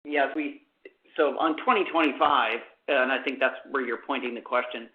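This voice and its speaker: A man with a mid-pitched voice gives conversational business answers as an executive. He comes through a narrow, phone-like conference line. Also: moderate pace. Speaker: company executive on an earnings call.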